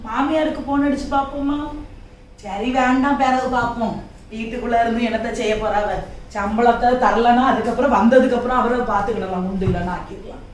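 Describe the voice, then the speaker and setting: A woman playing a sharp-tongued, devout wife who scolds her husband and grumbles to herself, in an amateur family skit. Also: fairly high pitch, steady tone, fairly quick, slight background noise, natural voice. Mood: grumbling. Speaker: quarrelsome wife in a church skit. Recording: echoey room, far from mic.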